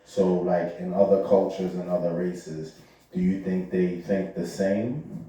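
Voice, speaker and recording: Man, 40s, podcast co-host, deep dark tone, joking and probing, very echoey room. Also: steady tone, measured pace. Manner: joking, opinionated, asks probing questions. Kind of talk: casual chat. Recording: very echoey room, far from the mic.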